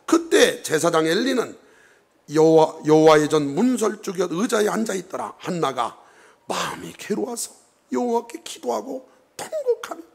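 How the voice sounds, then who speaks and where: A male pastor preaching a sermon in a church. He is animated and emphatic, and often puts questions to the congregation. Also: high-pitched, moderate pace, gravelly, slightly rough.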